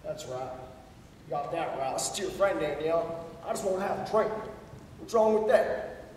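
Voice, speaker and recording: A man's voice: fairly high pitch, expressive, normal speed, darkish tone, slight background noise, natural voice. An actor playing a rowdy, drunk rural man who taunts and brags crudely. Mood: taunting. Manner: taunting, crude, swaggering storyteller. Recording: echoey hall, far from the mic.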